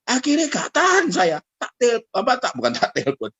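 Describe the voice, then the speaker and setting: A man's voice: very high voice, a little fast, breathy edge, dry recording. A middle-aged man preaching a sermon, telling stories and acting out the voices of the people in them. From Indonesia. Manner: animated storytelling, acts out quoted voices, addresses the congregation directly. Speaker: pastor.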